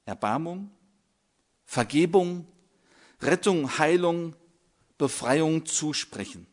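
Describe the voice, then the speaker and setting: An older man preaching a sermon in a measured way, with long dramatic pauses. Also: fairly high pitch, expressive.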